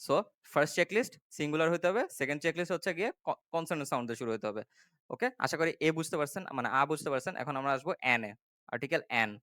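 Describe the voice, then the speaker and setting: Male tutor, smooth slightly high voice, dry close mic. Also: animated, rapid-fire, a bit bright, no room sound. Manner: explains step by step, often asking "ঠিক আছে?" to check understanding. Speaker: English tutor. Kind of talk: classroom-style grammar lesson.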